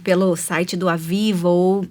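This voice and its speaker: A woman's voice: on the low side, level tone, unhurried. A woman hosting a Christian women's talk show, welcoming guests and affirming them often with short agreeing sounds. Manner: warm, affirming, frequent "uhum" backchannels.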